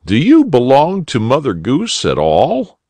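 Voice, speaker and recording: A man voicing a jolly, kindly old rabbit gentleman in a storybook reading. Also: medium pitch, huge pitch swings, unhurried, no echo, voice pushed up, exaggerated voice.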